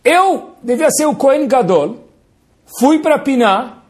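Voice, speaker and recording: A man's voice: very high voice, animated, slow, pitched above the performer's own voice, full character voice. A man voicing a sulking, aggrieved young man who complains indignantly about being passed over for his brother. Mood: aggrieved whining.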